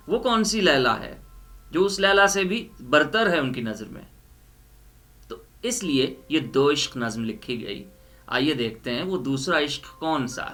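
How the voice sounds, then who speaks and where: Bright, theatrical man reciting poetry over music. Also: fairly high pitch. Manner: theatrical, emphatic, repeats lines for effect. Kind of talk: dramatic Urdu poetry recitation with explanation. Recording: music under the voice.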